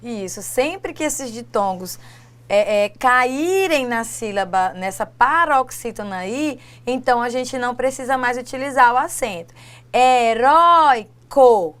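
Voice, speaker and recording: A woman's voice: fairly high pitch, unhurried, a bit bright. A woman teacher from Brazil explaining spelling rules in a lesson, often adding tag questions as she goes. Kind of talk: classroom lesson dialogue.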